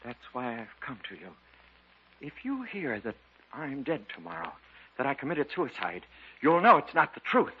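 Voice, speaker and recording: A man's voice: medium pitch, very animated, slight background noise, lightly acted. An actor playing a frightened, strange man hunted by a witch, in 1940s radio acting style, on a dull old radio broadcast. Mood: fearful. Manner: fearful, halting, breaks into panicked shouts.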